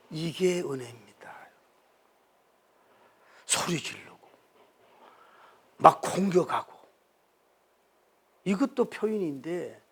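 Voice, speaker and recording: A male pastor preaching a sermon emphatically, with many rhetorical questions, swinging from loud to hushed. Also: high-pitched, gravelly, slightly rough.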